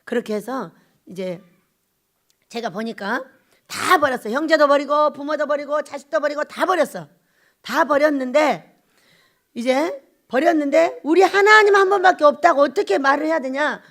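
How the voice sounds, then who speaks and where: A woman pastor preaching a Sunday sermon, swinging from loud, emphatic exhortation to hushed asides and asking the congregation short questions. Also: high voice, normal speed.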